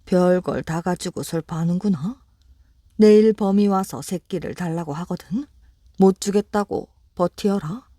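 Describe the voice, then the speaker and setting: A clever little rabbit coaxes with sweet, polite persuasion, voiced by a woman reading the story. The voice stays low and mellow, close and dry like a bedtime storybook. Nothing is hurried. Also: dry recording. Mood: advising.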